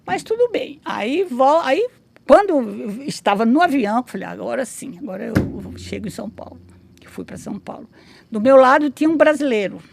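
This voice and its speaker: A woman's voice: high-pitched, big pitch swings, a little fast, gravelly, a little hiss or hum. A woman in her sixties telling her life story in a casual interview, rambling with many restarts and tag questions. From Brazil. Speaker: interview guest, memoirist.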